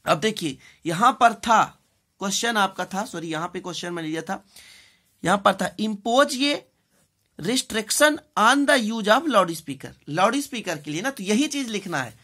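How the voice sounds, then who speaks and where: In her animated, medium-pitched voice, a bit bright and husky, an Indian-accented woman teaches English across two languages. She deliberately repeats phrases, spells words, and checks in often.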